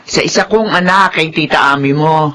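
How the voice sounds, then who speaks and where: A woman's voice: sits low, normal speed, a bit bright. An older actress playing a grandmother who speaks with plain disapproval. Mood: disapproving.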